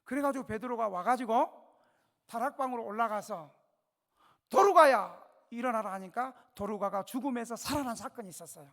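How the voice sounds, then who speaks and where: A male pastor preaching a revival sermon, telling stories dramatically, dropping to a hush and then rising loud, and putting questions straight to the congregation. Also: extremely high pitch, brisk. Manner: dramatic storytelling, swinging between hushed and loud. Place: church sanctuary. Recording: long church reverb.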